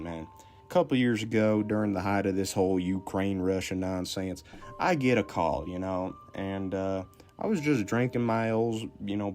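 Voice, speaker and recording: A man's voice: deep voice, darkish tone, natural voice. A man playing a folksy Southern arms dealer with a Southern US accent, rambling through a comic tall tale. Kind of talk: comic in-character audio message.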